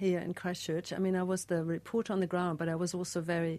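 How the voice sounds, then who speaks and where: Moderate pace with a German accent, on a very clean recording against a silent background. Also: woman. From Germany. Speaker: freelance journalist. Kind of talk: interview.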